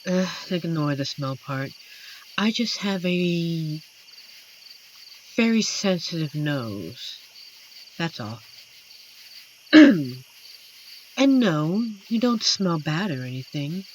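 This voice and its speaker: Woman playing a low-voiced, slow-talking amiable werewolf. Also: expressive, slight background noise, rough recording. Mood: sheepish, friendly. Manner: unhurried, teasing, chatty with dramatic pauses. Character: amiable, playful female werewolf guardian of a forest. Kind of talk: scripted audio roleplay addressed to the listener.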